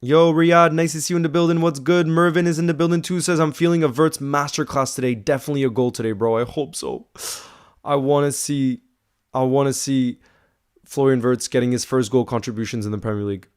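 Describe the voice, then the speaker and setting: A man's voice: medium pitch, fairly even intonation, brisk, smooth. Hyped young man chatting with viewers. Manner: hyped, calls viewers bro, many you-knows. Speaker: livestream host reading fan chat. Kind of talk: casual watchalong chat.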